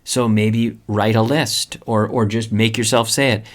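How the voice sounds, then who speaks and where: A man's voice: on the low side, level tone, unhurried. Man teaching English in a podcast lesson. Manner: patient, repeats examples and checks in with "okay?"; switches between English and Spanish to explain.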